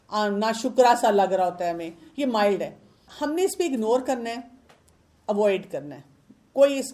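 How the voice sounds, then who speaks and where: A woman with a Pakistani Urdu accent gives parenting advice in a medium-pitched voice. She talks things through with everyday examples and questions to the listener, and she mixes English words into her speech. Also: warm tone. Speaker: parenting expert. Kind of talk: parenting talk.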